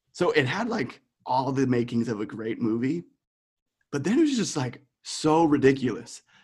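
Against a quiet background, a man with a medium-pitched, somewhat breathy voice talks at a moderate pace, leaving long, frequent pauses. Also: ordinary pitch variation. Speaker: podcast host. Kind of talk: casual chat.

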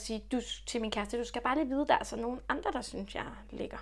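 A woman's high-pitched voice at a fairly quick pace with lively intonation. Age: 20s. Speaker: podcast host. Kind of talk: casual chat.

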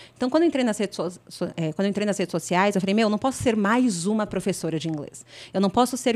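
Animated and very fast, a woman talks with lively intonation at a medium pitch. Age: 20s. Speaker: English teacher and content creator. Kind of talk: casual interview.

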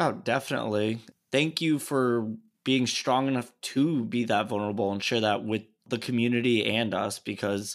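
On a very clean recording with a silent background, a man speaks in a plain, everyday voice. His pitch is medium, his pace is moderate and his intonation is fairly even. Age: 30s. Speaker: podcast co-host. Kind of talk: casual chat.

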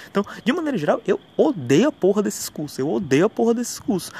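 A man speaks very fast in a dry, close sound with no echo, with noticeable background noise behind him. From Ceará, Brazil. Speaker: podcaster, language learning commentator. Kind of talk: casual monologue. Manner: talkative.

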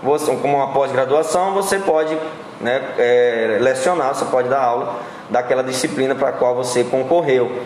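The recording has noticeable background noise and audible room echo. A man speaks at medium pitch and a moderate pace, with ordinary pitch variation and very even loudness. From Piauí, Brazil. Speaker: teacher. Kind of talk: interview.

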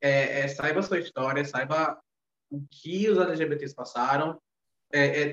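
A man speaks with a Brazilian accent. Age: 20s. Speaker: journalist and audiovisual worker. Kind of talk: casual chat.

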